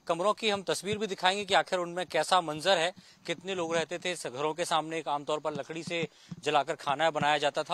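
A man field reporter with a high, bright voice, speaking outdoors into a handheld mic. He walks viewers through the scene and leans into its emotion as he talks. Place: outdoors at a disaster site.

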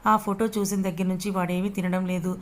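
Caring big brother in an audio story, read by a woman, soothing, flat pitch. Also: a little fast, lightly acted. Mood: gentle. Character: caring older brother figure, gentle man.

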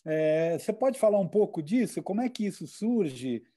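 A man with a Brazilian Portuguese accent moderating a talk, asking questions haltingly and searching for words. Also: sits high, very animated, warm tone. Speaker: mediator.

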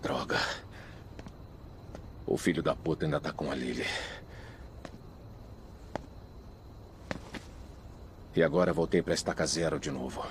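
A man with a Brazilian accent playing a gruff, bitter detective father in a dramatic video game. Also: rumbling low, a little fast, slight background noise. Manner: gruff, cynical, sarcastic. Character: weary, bitter detective father hunting for his kidnapped daughter.

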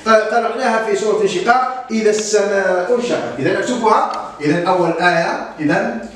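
A man with a high voice teaches a recitation lesson. He speaks patiently and draws words out slowly so pupils can follow. He was recorded from a distance in a very echoey room, with faint hiss behind him.

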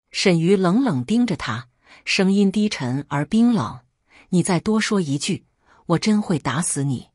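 Low, husky woman telling a story. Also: a little mellow, dry recording, clean studio sound. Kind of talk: first-person scripted narration.

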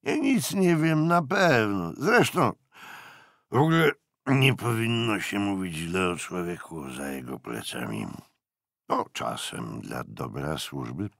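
Guy doing a tipsy old navy lieutenant for an audiobook, low n gravelly, grumbly gossip, hesitant rambling. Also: animated, slow pace, no room sound, clean studio sound, heavily acted. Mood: evasive. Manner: hesitant, rambling, with trailing interjections.

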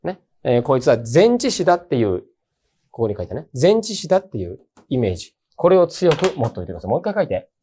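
Lively Japanese man teaching English grammar. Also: on the high side, quick pace, breathy edge. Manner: lively, colloquial, emphatic. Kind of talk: casual exam-prep lecture.

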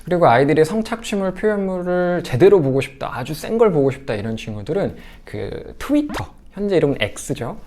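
A man giving a lecture to parents as a sex education instructor, talking in an animated way and often acting out quoted lines. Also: fairly high pitch, fairly quick, few pauses.

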